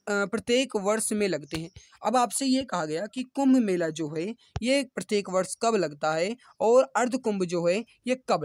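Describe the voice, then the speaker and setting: Clean studio audio with no room sound captures a high-voiced man running an online exam-prep class. He calls his students dear brothers and sisters, keeps repeating each answer, and delivers rousing motivational appeals.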